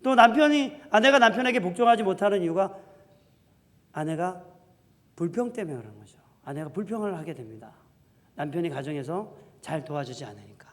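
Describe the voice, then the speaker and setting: A male pastor preaching a sermon, swinging between loud declarations and soft asides. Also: sits high, expressive, fairly quick. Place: church sanctuary. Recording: long hall reverb.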